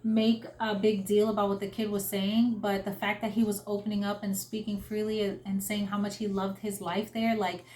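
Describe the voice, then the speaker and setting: A young woman talks through a tarot spread in a loose, conversational way. She sounds earnest and heartfelt, stopping to restart her sentences and filling the gaps with little verbal fillers. Her voice sits at an ordinary middle pitch. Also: little pitch movement, moderate pace, hardly any pauses, a little mellow, echoey room. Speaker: tarot reader. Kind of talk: casual spoken tarot reading.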